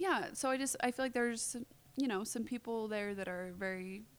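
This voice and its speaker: A woman with an American accent speaks at a moderate pace with ordinary pitch variation in an ordinary speaking voice. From Atlanta, US South. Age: 30s. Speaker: exotic dancer. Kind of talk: casual interview.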